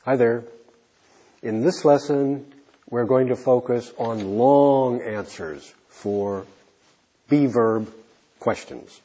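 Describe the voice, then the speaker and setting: Slow, soft-spoken male English teacher. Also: medium pitch. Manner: modelling example answers clearly, trailing off softly. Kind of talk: slow, deliberate classroom instruction.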